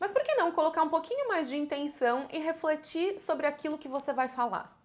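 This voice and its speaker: A woman with a Brazilian accent speaks at a fairly quick pace with lively intonation. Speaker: lifestyle vlogger. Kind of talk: vlog monologue.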